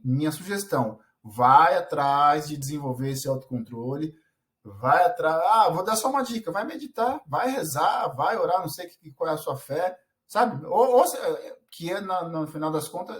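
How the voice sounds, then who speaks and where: A man's voice: fairly high pitch, expressive, moderate pace. A man from Brazil talking earnestly to camera about fatherhood, with frequent restarts and fillers. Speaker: parenting vlogger. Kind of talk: casual talk to camera.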